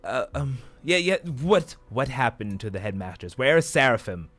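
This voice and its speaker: A man voicing a woman who leads a school and answers in a hurried, questioning way. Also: medium pitch, very animated, fairly bright tone, faint music behind, voice pushed up. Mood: startled. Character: startled female school leader, black-haired woman.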